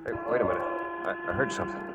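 Casting: a dogged rustic drover for old radio western, highly animated intonation. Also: male voice, very fast, very noisy. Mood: hushed excitement. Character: dogged, excitable male cattle drover. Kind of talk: 1940s radio western acting.

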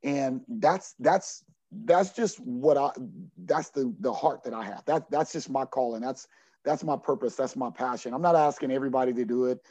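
A junior college basketball coach in his forties answers podcast questions sincerely, often repeating words while he works out what he means. His voice is mid-range and dark in tone, delivered at a normal speed with no echo.

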